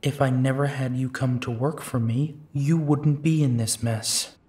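A man playing a gentle, protective, weary werewolf detective in an intimate audio roleplay, with a soft, halting delivery. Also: mid-range voice, fairly even intonation, slightly rough. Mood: tender, flustered.

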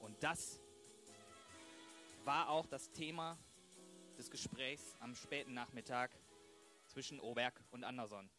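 A man's voice: medium pitch, takes it slowly, pauses often, bright, forceful tone, soft background music. A man playing the solemn narrator of a crime radio play.

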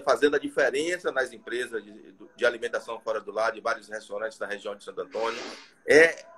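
A man's voice: medium pitch, a bit bright, a little hiss or hum. A middle-aged man with a Brazilian accent speaking as a consultant on a live video call, motivational and emphatic, in short phrases. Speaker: restaurant consultant, guest. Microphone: video call, device close in front.

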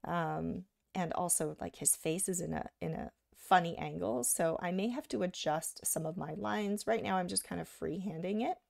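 A woman giving a live drawing lesson, talking casually while she sketches and often checking in with "right?", a little hoarse from being sick. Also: on the low side, normal speed, few pauses, darkish tone, no room sound, studio quality. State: slightly hoarse from illness. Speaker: art instructor.

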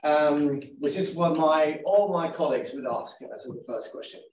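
A man's voice: fairly high pitch, moderate pace, a little hiss or hum. Man asking probing questions in an echoey room. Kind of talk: academic Q&A discussion. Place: lecture room. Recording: echoey, distant, dull room recording.

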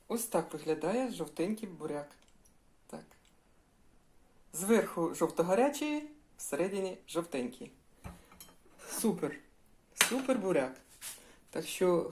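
A woman's voice: fairly low pitch, darkish tone. An older woman chatting in a homely way while she cooks breakfast, addressing her viewers as girls. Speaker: cooking vlogger. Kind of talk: casual cooking vlog.

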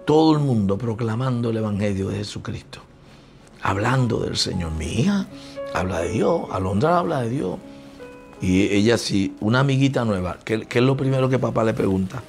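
Puerto Rican pastor preaching conversationally. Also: male voice, fairly low pitch, lively intonation, moderate pace, creaky, darkish tone, faint music behind. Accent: Puerto Rican Spanish. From Puerto Rico. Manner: conversational preaching, acts out dialogue with his family. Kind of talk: sermon.

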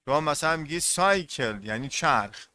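Bright-voiced male teacher quizzing a class. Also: on the high side, lively intonation, no room sound. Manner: repeats terms and quizzes the class. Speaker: English teacher. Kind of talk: classroom lesson.

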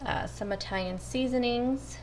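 A woman's voice: fairly high pitch, a little slow, noisy background. A woman vlogger talking viewers through her meal prep in a casual, chatty way from her home kitchen. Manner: chatty, addresses viewers as you guys. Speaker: cooking vlogger. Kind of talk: casual step-by-step cooking talk.

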